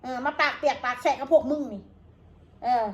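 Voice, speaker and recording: High-voiced Isan woman ranting angrily. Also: fairly quick, dull audio. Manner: coarse, combative, cursing. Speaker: vlogger. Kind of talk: angry rant to viewers.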